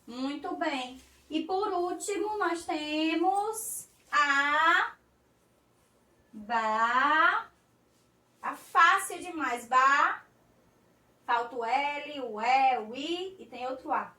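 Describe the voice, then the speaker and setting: A Brazilian woman teaching a recorded class for young children, in slow, coaxing, sing-song teacher talk. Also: high voice, animated, pushed and bright, reverberant, distant mic. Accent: Brazilian Portuguese.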